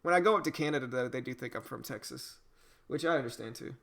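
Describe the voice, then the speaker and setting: Cajun guy from louisiana hosting a trading stream, gravelly voice, laid back, says you know a lot. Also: medium pitch, fast, a bit bright. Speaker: day-trading livestream host. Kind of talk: casual livestream chat reading viewer comments.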